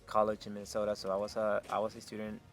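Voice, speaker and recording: A young man from Honduras, a guest answering questions outdoors in a casual chat, pausing to search for words with fillers. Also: fairly low pitch, completely flat delivery. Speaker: interview guest.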